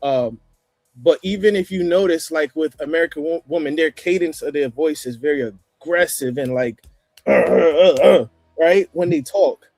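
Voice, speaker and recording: A man with a New York accent talking casually on a livestream panel, rambling, with restarts and throat clearing. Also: on the high side, a little slow, a little mellow, no room sound, clean studio sound, soft background music. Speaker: panel guest.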